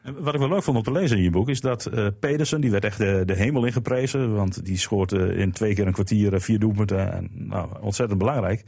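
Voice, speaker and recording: A man tells teasing anecdotes in a casual football conversation. His voice is low and gravelly. He speaks quickly with a husky texture. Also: a little mellow.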